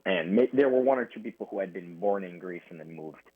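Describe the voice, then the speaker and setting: A man's voice: low-pitched, animated, fast, no room sound. A young man answering interview questions over a phone line, earnest and plain-spoken. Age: young adult. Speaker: guest.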